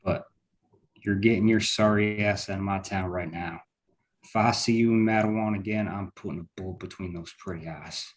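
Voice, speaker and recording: Hard small-town lawman, acted by a man: lowish voice, blunt, menacing, vengeful, for a drama. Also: steady tone, normal speed, close to an everyday voice. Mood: cold, threatening. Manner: gruff, blunt, threatening talk. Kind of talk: script table read.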